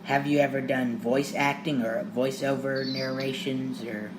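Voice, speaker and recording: A man's voice: medium pitch, little pitch movement, measured pace, background noise. A man from Louisiana with a strong Southern accent, hosting an interview in a friendly way and often agreeing. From Louisiana, United States. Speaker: podcast host. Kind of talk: podcast interview.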